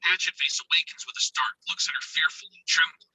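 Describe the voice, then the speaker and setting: A man with a breathy voice reading screenplay stage directions as an intense, suspenseful narrator. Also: on the high side, a little fast, sharp tone, no echo, in a whisper, poor audio. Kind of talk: dramatic scripted narration of screenplay action.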